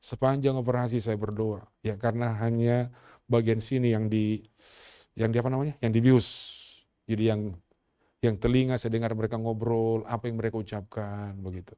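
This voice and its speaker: A middle-aged man preaching a sermon as pastor, moving from quiet storytelling to loud, rousing exhortation and calling on the congregation to respond. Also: fairly low pitch, flat delivery, moderate pace, clean tone, no room sound.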